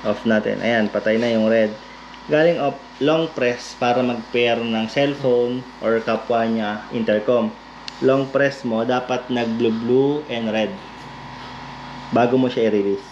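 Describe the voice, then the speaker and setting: Higher-voiced Filipino man, casual vlog host. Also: steady tone, a little slow, darkish tone. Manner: jokey, informal, addresses listener as brother. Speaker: vlog host giving away and demonstrating a product. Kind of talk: casual chat and hands-on demonstration. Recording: noisy lo-fi recording with vehicle ambience.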